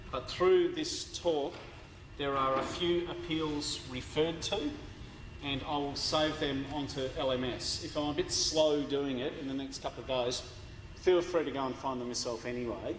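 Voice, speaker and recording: A man giving a university law lecture in a hoarse, tired voice, speaking haltingly with many fillers and restarts. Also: mid-range voice, fairly bright tone. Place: large lecture hall. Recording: echoey lecture hall recording with background noise.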